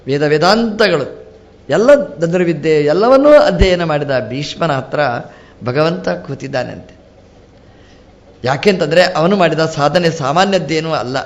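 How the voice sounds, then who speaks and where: High-pitched man giving an animated sermon. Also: measured pace, lo-fi sound. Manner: animated, rising and falling sharply, quoting characters in dialogue. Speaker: swamiji giving a religious discourse. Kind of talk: storytelling sermon.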